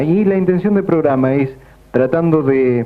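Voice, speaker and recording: A man with an ordinary speaking voice talks at a fairly slow pace, his intonation lively. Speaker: radio host. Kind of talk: radio interview. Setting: radio studio.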